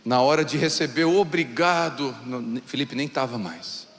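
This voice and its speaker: A man with a Brazilian Portuguese accent, a pastor preaching a sermon in a church hall and acting out excited voices as he tells stories. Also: mid-range voice, moderate pace. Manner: lively storytelling, acts out excited voices.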